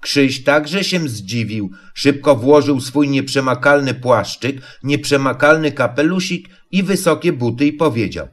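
A man narrating a storybook in a slow, gentle, unhurried reading. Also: medium pitch.

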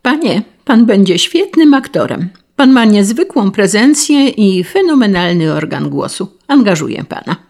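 A man's voice: high-pitched, expressive, a little slow. A narrator voicing a stern, indignant older male theater director who raises his voice. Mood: enthusiastic. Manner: stern, loud outbursts.

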